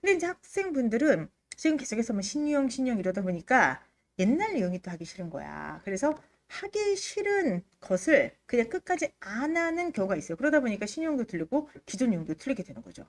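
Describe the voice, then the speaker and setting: A woman's voice: on the high side, very animated, fast talker. A woman teaching exam prep on a livestream, addressing students in an emphatic, conversational way, with a slightly ailing, allergy-affected throat. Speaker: Korean-language exam prep instructor, live lecture host.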